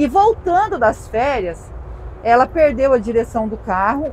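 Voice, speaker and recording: A woman speaks fairly slowly in a high pitch with very wide pitch swings, the sound dry with no echo and light background noise behind her. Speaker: paranormal investigator vlogger. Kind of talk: casual vlog narration. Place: open country.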